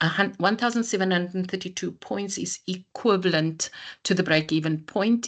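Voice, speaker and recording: Against a quiet background, a woman with an unremarkable speaking voice talks at a moderate pace. Her pitch is fairly low, with ordinary variation. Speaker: utility representative. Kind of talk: training presentation.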